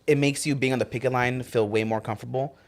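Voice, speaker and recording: A man, a union organizer guest, telling stories in a relaxed, chatty way on a radio talk show. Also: mid-range voice, quick pace. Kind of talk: casual chat.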